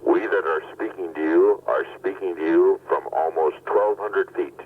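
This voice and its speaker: A man playing a solemn harbor patrol captain making a slow, formal announcement, heard on an old worn answering-machine tape. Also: low-pitched, phone-quality sound, a little hiss or hum. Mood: grave.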